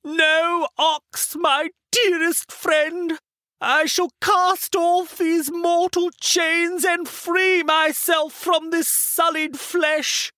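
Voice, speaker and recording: A man voicing a camp, theatrical gentleman with a plummy upper-class English accent and grandiose, over-dramatic delivery in an audiobook. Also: extremely high pitch, flat delivery, extremely slow, no echo, voice pushed up, heavily acted. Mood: tragic, grandiose.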